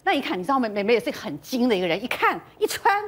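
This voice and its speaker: A woman's voice: mid-range voice, expressive, very fast, breathy edge. A woman telling celebrity gossip as a panel guest, dramatic and full of interjections. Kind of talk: animated gossip storytelling.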